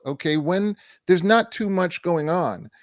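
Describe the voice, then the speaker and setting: Man, talk show co-host, higher-pitched, deliberate, repeats his points. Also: no echo. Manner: measured, repeats key phrases for emphasis. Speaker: co-host, doctor answering viewer questions. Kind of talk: faith-based mental health talk show.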